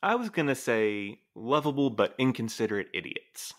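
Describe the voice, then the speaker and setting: A man playing a formal, dry, dutiful postmaster in an audio drama, reserved and earnest with measured, precise wording. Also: mid-range voice, sing-song, fairly bright tone. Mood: dignified. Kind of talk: scripted audio drama acting.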